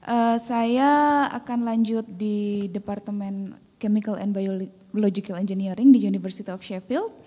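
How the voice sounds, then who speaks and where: A woman's voice: mid-range voice, steady tone, unhurried, few pauses, mellow, in a large hall. A woman, a university lecturer, introducing herself and asking a question modestly, with hesitations. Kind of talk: formal question.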